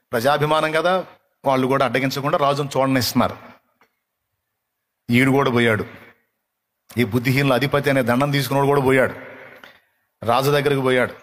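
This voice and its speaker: A man's voice: medium pitch, fairly bright tone. A male pastor preaching a sermon, telling a parable and acting out its dialogue, with emphatic rhetorical questions. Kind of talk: storytelling sermon.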